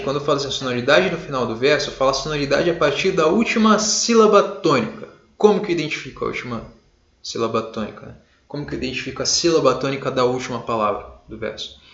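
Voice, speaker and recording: Casual Brazilian teacher, roomy lo-fi sound. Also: male voice, on the high side, creaky. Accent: Brazilian Portuguese. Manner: casual, many fillers, checks in with "beleza?"; jokey shouted examples. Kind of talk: online class lecture.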